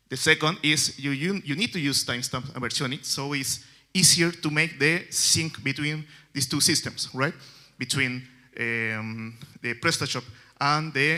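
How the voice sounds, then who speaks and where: Bright-voiced Chilean man giving a tech talk. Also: on the high side. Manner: halting, many fillers and restarts, non-native phrasing. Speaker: conference speaker. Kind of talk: technical conference talk. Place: conference stage.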